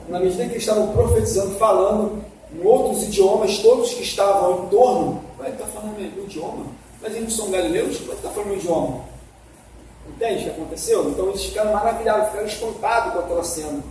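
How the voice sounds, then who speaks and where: A man with a high-pitched, warm voice leads a Sunday school Bible lesson, gently drawing the class out with questions. The recording is distant and echoey, taken in a church hall with slight background noise.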